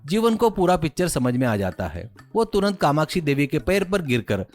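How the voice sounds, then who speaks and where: An Indian man reads a scripted cartoon moral story. His voice sits fairly high and moves animatedly up and down. Faint music plays behind him. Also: big pitch swings, moderate pace. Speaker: story narrator.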